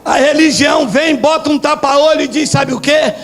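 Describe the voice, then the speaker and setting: Male Brazilian pastor mid-sermon, unusually high voice, loud and playful. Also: steady tone, moderate pace, a little hiss or hum. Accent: Brazilian Portuguese. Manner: preaching with frequent shouting and playful asides.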